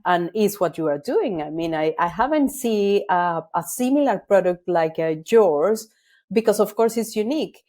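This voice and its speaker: A woman hosting a podcast conversation, speaking at an ordinary middle pitch. She asks her guest long, winding, reflective questions in an earnest way. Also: expressive, normal speed, warm tone. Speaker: podcast host. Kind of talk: conversational interview.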